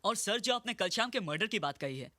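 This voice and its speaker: A young friend rushes out an alibi in a very high, quick voice that bounces up and down. The recording is dry. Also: male voice, expressive, sharp tone, no echo. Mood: earnest. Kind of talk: Hindi film acting.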